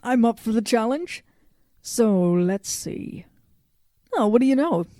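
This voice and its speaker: A woman's voice: on the high side, animated, slow, mellow, no room sound, studio quality. A woman playing a blunt, self-assured robot from the future in an audio drama, matter-of-fact and a little condescending. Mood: smug, confident.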